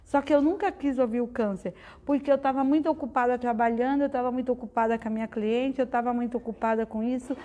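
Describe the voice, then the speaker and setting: A woman's voice: fairly high pitch, fairly even intonation, fast talker, mellow, slight background noise. Heartfelt middle-aged woman giving testimony. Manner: heartfelt, conversational, with frequent fillers. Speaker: guest speaker at a spiritist study center. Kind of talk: personal testimony talk.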